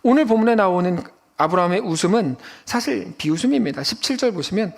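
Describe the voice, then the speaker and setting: A male pastor giving a Sunday sermon in a church, in a lively conversational way with acted-out quotes. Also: high voice, fast talker, vocal fry, slight background noise. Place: church sanctuary.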